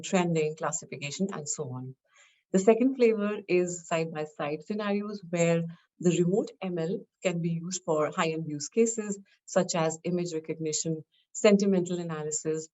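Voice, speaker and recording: Low-pitched woman presenting technical material. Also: darkish tone, rough recording. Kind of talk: scripted product presentation.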